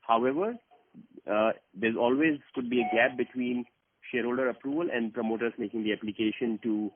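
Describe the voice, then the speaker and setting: Husky man on a muffled phone line. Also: mid-range voice, fairly quick. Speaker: company executive. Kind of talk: explanatory earnings call answer.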